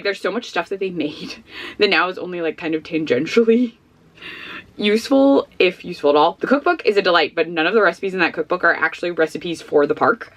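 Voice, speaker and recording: A woman's voice: lowish voice, a bit bright. Sniffly woman chatting casually at home. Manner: chatty, rambling, frank opinions. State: sniffly, losing her voice. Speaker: vlogger. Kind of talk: casual book review chat.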